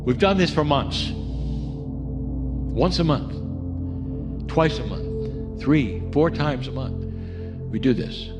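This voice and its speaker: A man leads a guided meditation in a middle-range voice. He speaks gently and coaxes the listener forward with soft questions. Clear music plays under him. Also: medium pitch, animated, slow, pauses often. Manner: gentle, coaxing, asks the listener many questions. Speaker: spiritual teacher leading a meditation.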